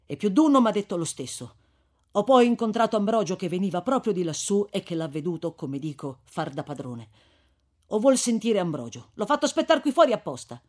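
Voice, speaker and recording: A man voicing a resolute young man who speaks briskly and eagerly. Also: high voice, very animated.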